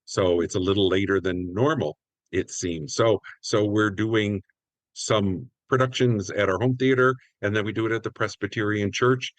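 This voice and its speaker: Low-voiced man, a community theater player. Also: steady tone, normal speed, no room sound, low-quality recording. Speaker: community theater actor and show announcer. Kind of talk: conversational guest interview and warm sign-off narration.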